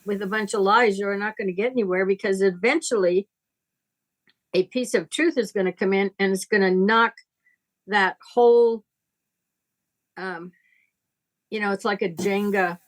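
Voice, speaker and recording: This is a woman acting as a spiritual teacher, talking in a conversational but deliberate, emphatic way that leans toward moralizing. Her voice falls in the mid range.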